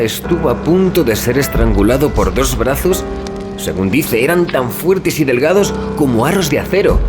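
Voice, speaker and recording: An actor playing a chatty, wry young student in an audio drama, conversational and gossipy. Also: male voice, medium pitch, natural voice. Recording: dialogue over clear background music.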